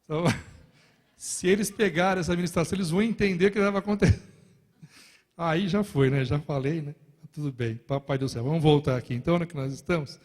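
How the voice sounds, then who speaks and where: A man's voice: on the high side, a little fast, in a large hall. A Brazilian man preaching in a church, with a Brazilian Portuguese accent, telling stories playfully and often calling out to the brothers in the congregation. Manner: lively, joking storytelling with repeated "irmãos" asides. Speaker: pastor. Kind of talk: sermon. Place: large church hall.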